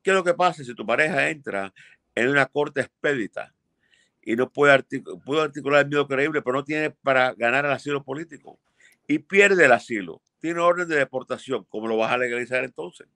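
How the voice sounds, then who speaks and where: A man's voice: mid-range voice, fairly quick, gravelly, sharp tone, no echo. Older male immigration lawyer, emphatic and blunt, dry webcam sound from a home office. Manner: emphatic, blunt, repeats for stress. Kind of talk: expert answering viewer questions. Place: home office with framed pictures.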